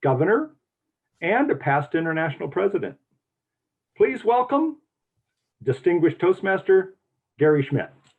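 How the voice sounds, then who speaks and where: A man's lively intonation at a moderate pace, broken by long, frequent pauses. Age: 70s. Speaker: district director of a speaking club. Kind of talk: opening speech at virtual celebration. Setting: video call. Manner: formal.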